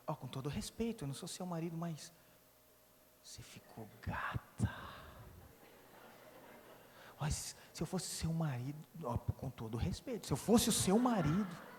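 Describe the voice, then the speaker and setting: A preacher whispering as a sly seductive flirt. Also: male voice, background noise, heavily acted. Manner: low hushed whisper. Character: smooth-talking seductive male flirt whispering.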